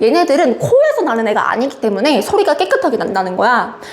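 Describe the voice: Against noticeable background noise, the pitch leaps up and down in very wide swings. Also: woman.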